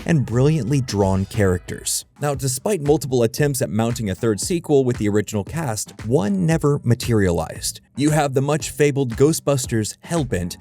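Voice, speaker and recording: Male essayist with a mellow voice and expressive swings in pitch; dry wit, conversational scripted read, faint music bed. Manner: wry, conversational, dryly humorous asides. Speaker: video essay narrator. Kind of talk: scripted video essay narration. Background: background music.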